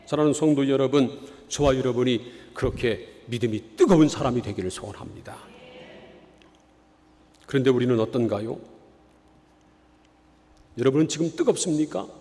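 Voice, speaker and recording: A pastor from South Korea's Chungcheong region preaches earnestly in a church sanctuary, putting rhetorical questions to the congregation. His mellow, mid-range voice moves at normal speed with long pauses, and the hall adds a long reverb.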